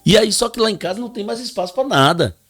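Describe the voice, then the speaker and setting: A man's voice: sits high, animated, fast, a bit bright, no room sound, faint music behind. A man, hosting a podcast in a joking, chatty way. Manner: joking, chatty, laughs often. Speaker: podcast host. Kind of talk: casual interview.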